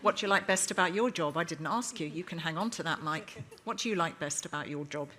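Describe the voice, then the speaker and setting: A woman moderates a live panel in an informal style. Her voice is on the low side. She is chatty and emphatic, bantering as she steers speakers and audience. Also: fast talker, pushed and bright.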